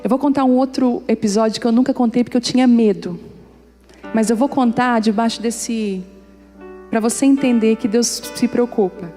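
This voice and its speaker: Woman pastor, higher-pitched mellow voice, preaching with jokes and acted-out dialogue, soft music behind. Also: moderate pace. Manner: lively, humorous, acts out dialogue in anecdotes. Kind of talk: storytelling sermon. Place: church service before a congregation.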